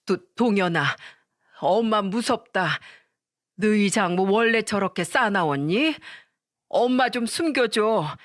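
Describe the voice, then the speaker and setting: A woman's voice: medium pitch, expressive, takes it slowly, no echo. A pushy old mother-in-law, as a woman reads her, wailing and carrying on in a storybook tale. Her delivery is plain and dry, close to the mic. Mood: whining. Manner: wailing, theatrical complaining.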